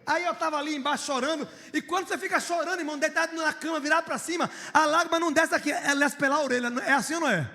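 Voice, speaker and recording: High-voiced preacher in an echoing hall. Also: male voice, rapid-fire, few pauses. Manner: lively preacher, shifting from hushed storytelling to loud outcries. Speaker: pastor. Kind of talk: sermon with personal storytelling. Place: church hall. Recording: long reverb of a church hall.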